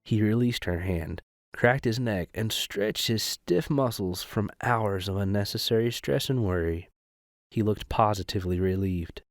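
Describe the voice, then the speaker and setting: A man's voice: lowish voice, a little slow, no echo, studio quality. A man reading scripted narration for an audio drama. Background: music.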